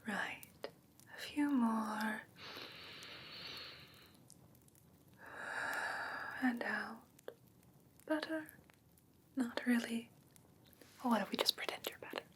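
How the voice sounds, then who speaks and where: A woman playing a whimsical, coaxing fae creature in a breathy ASMR whisper, sweetly condescending and soothing in a halting, doting way. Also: a little high, fairly bright tone, slight background noise. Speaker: ASMR roleplay performer. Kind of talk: whispered ASMR fantasy roleplay.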